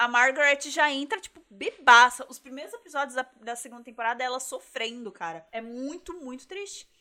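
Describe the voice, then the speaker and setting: A woman's raised, projected voice, high-pitched, bright and sharp, animated and lively in intonation, at a moderate pace with hardly any pauses and big swings in loudness. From São Paulo, Brazil. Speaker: podcast host. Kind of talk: casual chat.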